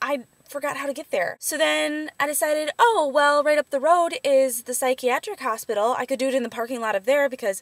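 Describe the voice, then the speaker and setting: In a quiet, dry space with no echo, a woman with a high pitch talks at a fairly quick pace with hardly any pauses and ordinary pitch variation. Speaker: vlogger. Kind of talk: casual vlog chat. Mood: playful, slightly nervous. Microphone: phone near.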